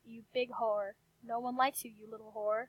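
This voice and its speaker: Woman reading as monotone, bickering foul-mouthed dolls. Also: fairly high pitch, normal speed, husky, no room sound, highs cut off. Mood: flat, insulting. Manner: monotone, flat line reading.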